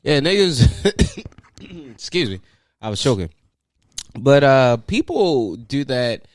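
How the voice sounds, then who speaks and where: A young man with a Baltimore accent co-hosting a podcast, talking casually in relaxed slang with lots of fillers. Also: medium pitch, slow pace, no echo, studio quality. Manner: laid-back, filler-heavy slang talk. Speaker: podcast co-host. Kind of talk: casual chat.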